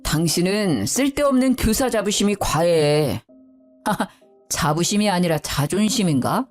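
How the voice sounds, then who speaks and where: A woman voicing a sarcastic husband who belittles his wife's job, lowering her voice for him. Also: lively intonation, measured pace, faint music behind. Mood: sneering. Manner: sneering, sarcastic.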